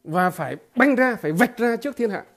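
A man giving a political commentary monologue to his viewers, halting and repeating filler words, emphatic and blunt. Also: very high voice, lively intonation, fairly bright tone. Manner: emphatic, with blunt crude imagery.

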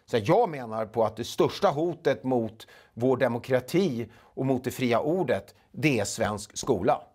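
A man in his forties with a Swedish accent, a guest in a studio interview, speaking haltingly with many filler sounds on a lapel mic. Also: mid-range voice, expressive, darkish tone. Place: small studio.

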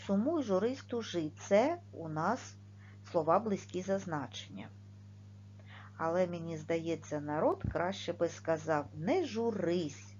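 A woman gives a video lesson for children at an unhurried pace, her pitch rising and falling in a lively way. She pronounces every word and sound with care. The recording is dull and lo-fi, with a faint hum underneath. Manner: slow, clearly articulated, stressing words and sounds. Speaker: primary school teacher.

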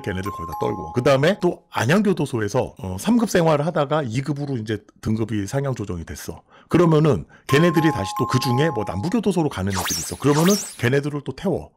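A middle-aged man, hoarse from a cold, telling stories to viewers in a blunt, chatty way into a studio mic. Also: mid-range voice, darkish tone. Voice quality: gravelly, husky. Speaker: channel host sharing prison life stories. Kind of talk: casual storytelling monologue. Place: small studio, indoors. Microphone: large studio mic on a stand.

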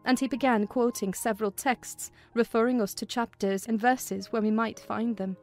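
A woman's voice: fairly high pitch, fairly even intonation, normal speed, darkish tone. A woman reading literary narration as a dramatized audiobook. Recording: music behind the voice.

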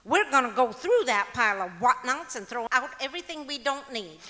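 A woman's voice: high-pitched, expressive, brisk, pushed and bright. A woman playing a wry, exasperated, bossy wife in an old-time radio comedy. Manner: wry, scolding. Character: exasperated, teasing wife, bossy but fond. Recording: echoey auditorium stage.

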